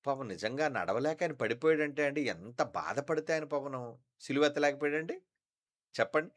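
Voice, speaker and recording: A man's voice: mid-range voice, moderate pace, fairly bright tone. A man preaching a sermon, firing rhetorical questions at the congregation and declaiming scripture passages with emphasis. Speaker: pastor.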